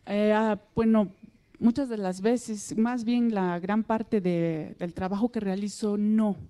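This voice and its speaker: A Mexican woman whose first language is Mixtec, a singer answering interview questions softly and hesitantly with many fillers. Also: mid-range voice, fairly even intonation, takes it slowly, clear, resonant tone. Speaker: singer guest. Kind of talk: interview answers and folk singing.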